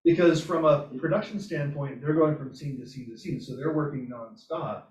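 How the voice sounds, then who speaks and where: A man's voice: a little high, moderate pace, a little mellow, slight background noise. Echoey, distant man telling project stories. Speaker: presenter at a robotics club meetup. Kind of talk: informal project presentation, anecdotal. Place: meeting room at a hybrid club meetup. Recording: echoey room, distant mic, muffled sound.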